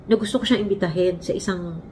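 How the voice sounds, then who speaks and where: A woman in her forties from the Philippines, hosting a casual vlog and telling stories in an animated way, acting out quotes as she goes. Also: on the low side, fast, a little hiss or hum. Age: 40s. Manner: animated, acts out quotes, laughs while telling. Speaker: vlog host. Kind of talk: casual storytelling chat. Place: home, Canada.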